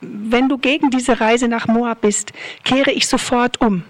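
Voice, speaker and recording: A woman's voice: fairly high pitch, steady tone, unhurried, lightly acted. A woman doing a furious stubborn prophet. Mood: contrite. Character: furious stubborn male prophet, later humbled.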